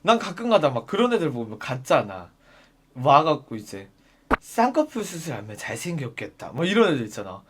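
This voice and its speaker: A man's voice: mid-range voice, big pitch swings, brisk, fairly bright tone, a little hiss or hum. A man talking in dry, matter-of-fact asides as a comedy creator wrapping up a sketch. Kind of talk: casual comedic commentary.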